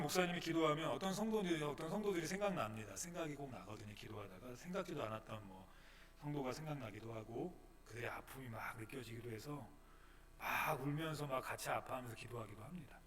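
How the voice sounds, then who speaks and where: A man's voice: mid-range voice, expressive, fairly quick. A male pastor preaching a dramatic sermon in a church, acting out the complaints of the congregation. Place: church sanctuary. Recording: long church-hall reverb.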